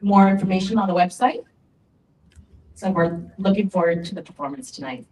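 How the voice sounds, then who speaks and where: A woman's voice: mid-range voice, brisk, a little mellow. A woman moderating a panel, announcing events and posing questions in an upbeat tone. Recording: echoey, distant.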